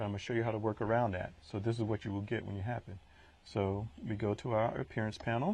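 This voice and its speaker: Somewhat breathy and pitched fairly low, a man rattles along at a very fast pace with fairly even intonation. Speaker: software tutorial instructor. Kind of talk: tutorial. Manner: casual, with fillers.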